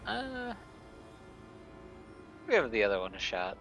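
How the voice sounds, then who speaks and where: A man's voice: fairly low pitch, wildly swooping pitch, slow, fairly bright tone, faint music behind. A man playing a tabletop roleplaying game, chatting casually as one of the players. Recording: dull, lo-fi voice chat audio.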